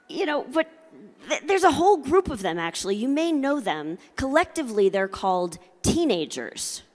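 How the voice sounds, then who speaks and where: A middle-aged woman with a fairly high voice speaks from a convention floor, her words carrying long reverb from the hall. She delivers a motivational keynote as comic storytelling, with theatrical emphasis aimed right at her audience. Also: sing-song, unhurried, pauses often, darkish tone. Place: large convention hall, indoors. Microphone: handheld microphone.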